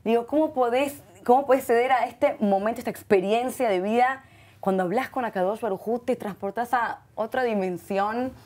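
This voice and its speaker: A middle-aged woman with an Argentine Spanish accent, a guest in an interview who speaks in an expressive way, often repeating herself. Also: fairly high pitch, moderate pace. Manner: warm and expressive, many repeated words and Hebrew terms. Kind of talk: heartfelt conversational interview.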